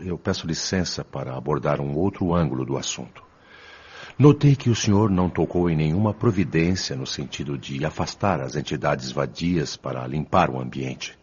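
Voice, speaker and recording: Man playing a very husky, earnest older father. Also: very deep voice, a little mellow, heavily acted. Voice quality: husky, rough. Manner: formal, deferential, questioning. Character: earnest, respectful older father spirit, eager humble student. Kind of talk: audio drama dialogue. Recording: dull lo-fi audio.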